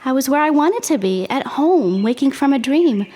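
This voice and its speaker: High-voiced, wry teenage girl. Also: expressive, moderate pace. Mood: wry, eerie narration. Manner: wry, slangy, dramatic. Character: sardonic, uneasy teenage schoolgirl telling her eerie story. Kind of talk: audio drama narration and dialogue. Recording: loud music under voice.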